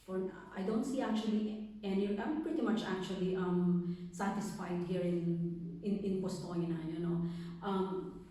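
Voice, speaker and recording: Filipino lady in an interview, soft mellow tone, repeats herself a lot, super echoey room. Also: on the low side, steady tone, unhurried. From Philippines. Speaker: interviewee giving a testimonial. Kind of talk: conversational interview answers. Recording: echoey room, distant microphone.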